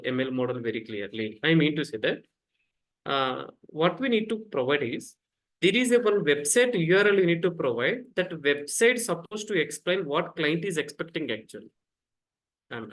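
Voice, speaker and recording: Man, online instructor, higher pitch, repetitive, call-and-response teaching over computer mic. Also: fairly bright tone, low-quality recording. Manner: repetitive, fillers like "actually", quizzes students. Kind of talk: live online lecture. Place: home, rain outside.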